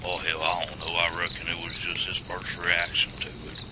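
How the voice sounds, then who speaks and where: A man's voice: monotone, moderate pace, natural voice. A man playing a folksy old-timer, talking outdoors at night. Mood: plain talk. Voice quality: drawling, colloquial, deep. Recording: loud cricket night noise.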